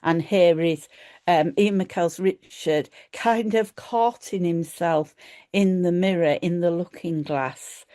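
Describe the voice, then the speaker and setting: A middle-aged woman with a broad Yorkshire accent delivers a lecture at an unhurried, slow pace. She talks in a loose, chatty way, with many ums and restarted phrases. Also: on the low side, mellow. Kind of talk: academic lecture.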